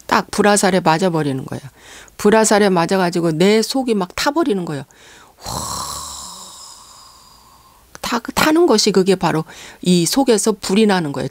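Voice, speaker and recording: A woman pastor preaching a sermon, earnestly posing rhetorical questions to the congregation and pausing on fillers between phrases. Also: medium pitch, dry recording.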